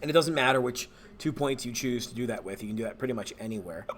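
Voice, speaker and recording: A man, a math teacher, relaxed and thinking aloud as he walks through homework problems and corrects himself along the way. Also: medium pitch, fast talker, a little hiss or hum. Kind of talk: homework walkthrough screencast.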